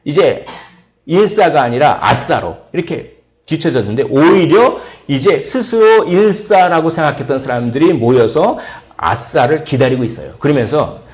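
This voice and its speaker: A man from South Korea preaching a Sunday sermon, his voice pitched a little higher than most men's. He tells the story with energy and slips into the voices of the people in it. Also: normal speed. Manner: lively storytelling, acts out voices of biblical figures. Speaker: pastor.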